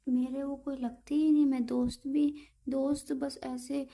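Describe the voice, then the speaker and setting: High, mellow-voiced apologetic young woman. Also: little pitch movement, unhurried. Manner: apologetic, pleading, hesitant. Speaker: girlfriend in a relationship call. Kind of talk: intimate relationship conversation.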